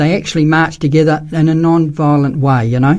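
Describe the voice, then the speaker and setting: A man with an Australian accent, a fairly high pitch and fairly even intonation. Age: 60s. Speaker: retired pastor. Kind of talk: religious radio talk show.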